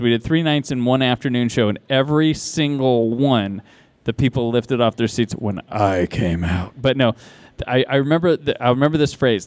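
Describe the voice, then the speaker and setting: A man's voice: medium pitch, no room sound. A man who organizes a convention tells casual stories as a guest on a live podcast, rambling with many restarts and asides. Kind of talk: casual anecdotal storytelling.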